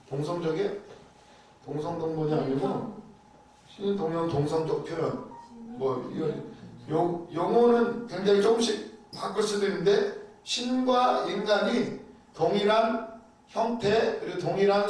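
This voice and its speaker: A man teaching a Bible class in a conversational church style, chatty and animated, often acting out quoted prayers. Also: sits high. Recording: very echoey room, voice from a distance.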